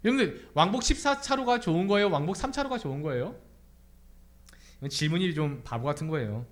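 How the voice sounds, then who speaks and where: A man's voice: a little high, quick pace. A young adult man preaching a Sunday sermon in church, asking his congregation question after question. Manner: animated, asks the congregation many questions. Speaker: pastor. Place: church sanctuary.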